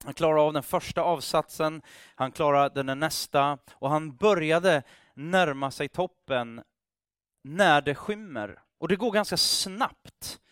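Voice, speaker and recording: A man's voice: on the high side, fairly bright tone, clear, resonant tone, no echo, studio quality. Man telling a sermon story. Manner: conversational, with frequent restarts and acted dialogue. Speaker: preacher.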